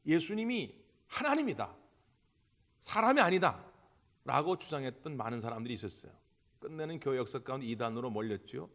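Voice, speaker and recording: A male pastor delivering a Sunday sermon, full of rhetorical questions, swinging between loud bursts and quiet passages. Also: medium pitch, expressive, a little fast. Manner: impassioned, with rhetorical questions and big swings in loudness. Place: church sanctuary. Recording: long church hall reverb.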